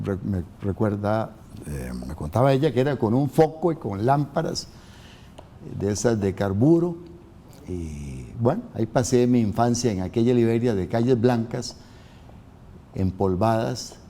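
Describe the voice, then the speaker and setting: A man in his seventies from Costa Rica speaks in a calm, measured, storytelling way. His voice is low and warm. A faint hum of room noise sits behind him. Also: creaky. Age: 70s. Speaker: guest. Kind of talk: interview answers.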